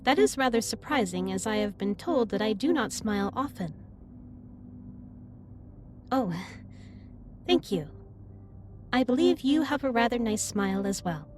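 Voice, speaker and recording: A woman playing a gentle, earnest female alien starship captain in an audio roleplay, speaking in formal, precise sentences straight to the listener. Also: fairly high pitch, expressive, unhurried, long pauses, a little hiss or hum. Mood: surprised, touched. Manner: formal, precise, slightly stilted wording.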